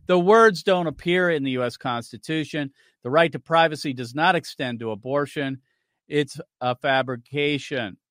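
Emphatic talk radio host, dry sound. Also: male voice, fairly high pitch, moderate pace, fairly bright tone, no echo. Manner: emphatic, argumentative, cues clips to play. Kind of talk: opinionated radio talk commentary.

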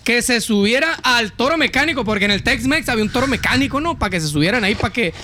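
A man's voice: very high voice, lively intonation, fast, noisy background. A man with a Mexican accent casually telling a spooky local story on a podcast, slangy and jokey. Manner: slangy, jokey, laughs often. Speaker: podcast host.

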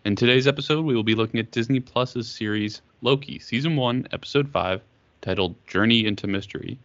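A man's voice: medium pitch, fairly quick, fairly bright tone, dry recording, muffled recording. Man, podcast host, casual chat, wry, dry close sound.

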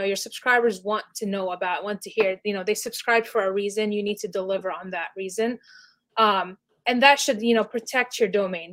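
A woman speaking as a guest expert in an interview, explaining in a casual, chatty way with lots of "you know" and "like". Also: medium pitch. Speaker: email marketing specialist, guest.

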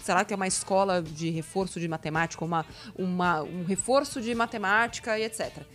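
A woman's voice: lowish voice, quick pace, fairly bright tone, soft background music. A woman hosting a radio talk show, explaining things step by step in an emphatic, coaching way. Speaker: host.

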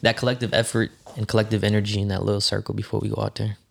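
A man, a rapper and musician, telling stories in a relaxed casual interview, with many fillers and restarts. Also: on the low side, racing, creaky. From United States.

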